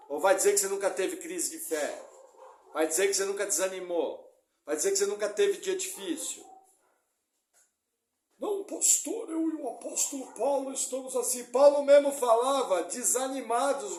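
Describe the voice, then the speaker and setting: A male pastor delivers a lively sermon, slipping into jokes and acted-out quotes from his congregation. His voice sits high for a man. The sound rings around a roomy church hall. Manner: lively, joking preaching with mimicked congregation quotes.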